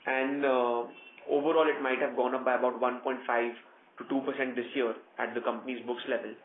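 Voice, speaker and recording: A man's voice: mid-range voice, level tone, fairly quick. Indian man on an echoey phone line. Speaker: company executive. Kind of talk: earnings call answers. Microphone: conference call phone. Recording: echoey tinny conference phone line with noise.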